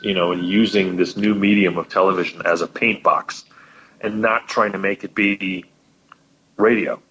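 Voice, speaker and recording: A man's voice: low-pitched, steady tone, normal speed, a bit bright, slight background noise, rough recording. A man, a professional musician guest, chatting with enthusiasm and often repeating words as he thinks. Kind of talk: casual chat.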